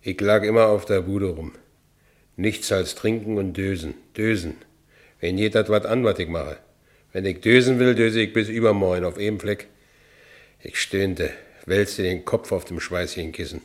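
An actor playing a bitter, self-pitying working-class ex-convict in a radio play, colloquial and with a Berlin accent. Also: male voice, low voice, moderate pace, natural voice. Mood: sullen, angry. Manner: colloquial, brooding. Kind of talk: first-person radio play narration.

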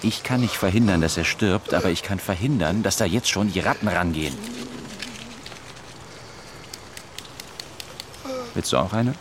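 A man playing a laconic, unsentimental stranger in a naturalistic radio drama, blunt and deadpan with a gravelly voice. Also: low voice, quick pace, noisy background. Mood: dry, blunt. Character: laconic, unsentimental, enigmatic male stranger, fatalistic realist.

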